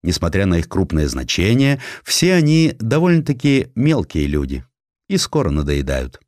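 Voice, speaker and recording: Guy reading a history audiobook, lowish voice, really animated intonation, measured and dramatic, dry studio sound. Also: no echo. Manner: expressive, measured storytelling with dramatic emphasis. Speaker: audiobook narrator. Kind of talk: scripted literary narration of a historical essay.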